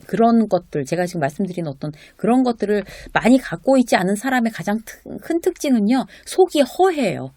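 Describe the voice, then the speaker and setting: Lively-voiced woman giving a chatty lesson. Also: medium pitch, no room sound. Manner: conversational, with rhetorical questions and acted-out quotes. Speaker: workplace lecturer and host. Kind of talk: casual spoken lecture to viewers.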